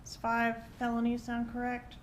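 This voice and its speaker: A woman's voice: a little high, monotone, normal speed. A woman speaking as a prosecutor in a courtroom, examining a witness with short, pointed questions. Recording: noisy courtroom recording.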